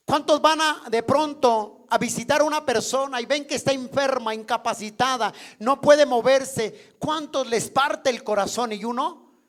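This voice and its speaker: A man's voice: extremely high pitch, a bit bright. A man preaching a sermon as a pastor in a church. He asks rhetorical questions, prompts the congregation to call out answers, and stresses key words. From Colombia. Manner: emphatic, stretches key words.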